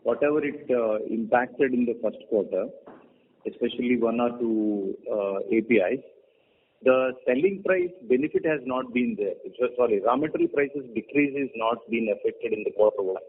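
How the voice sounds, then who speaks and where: A man with an Indian accent, a company executive answering questions on a conference call, haltingly listing his points one by one. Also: medium pitch, sing-song, gravelly, husky. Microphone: conference call phone. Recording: muffled narrowband conference call line.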